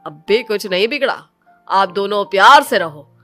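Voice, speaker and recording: A woman's voice: medium pitch, expressive, moderate pace, sharp tone, faint music behind. A woman voicing a pious male Hindu priest in a cartoon moral story, instructing in a solemn, declamatory way. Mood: firm, calming. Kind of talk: animated storybook sermon.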